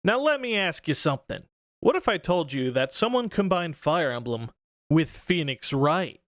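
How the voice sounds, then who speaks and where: A man's voice: on the high side, sing-song, normal speed, a bit bright, dry recording, clean studio sound. A man hosting a scripted comedic review, talking casually with swearing and exaggerated emphasis over music. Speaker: video host and game reviewer. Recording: music under the voice. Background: background music.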